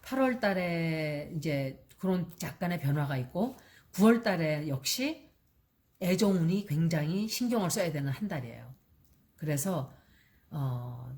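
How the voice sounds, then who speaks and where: A woman's voice: deep voice, a little mellow. A woman astrologer giving casual spoken horoscope advice, chatty and repetitive, mixing in English terms and acting out short example dialogues. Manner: mixes English terms into her talk. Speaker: astrologer and tarot reader.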